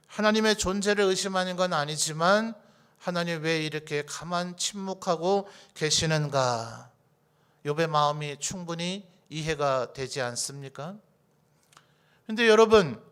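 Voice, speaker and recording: A man's voice: sits high, fairly bright tone, clear, resonant tone. A male pastor delivering a Sunday sermon, earnest and pleading as he reads scripture aloud.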